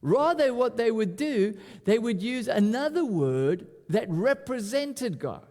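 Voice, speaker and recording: A man preaching a sermon at a pulpit microphone, animated and often repeating words as he restarts. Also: extremely high pitch, slow, in a large hall. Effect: speaking at a pulpit microphone. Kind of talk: expository sermon.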